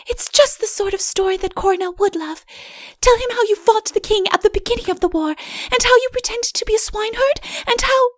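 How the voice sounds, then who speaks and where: A sweet young princess from a fairy-tale audiobook, put on by a woman. Her voice is pitched high, soft and breathy. She speaks gently and coaxingly, as a devoted daughter, in a dry, close recording. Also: a little fast, dry recording. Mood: excited, eager. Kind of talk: audiobook character voice.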